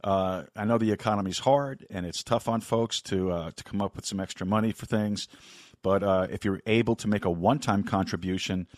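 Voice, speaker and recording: A man hosting a live Bible podcast, talking in a folksy, rambling way with a slightly scratchy, hoarse voice. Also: on the low side, brisk, a little mellow, no echo, clean studio sound. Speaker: podcast host and Bible teacher. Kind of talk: casual live podcast talk.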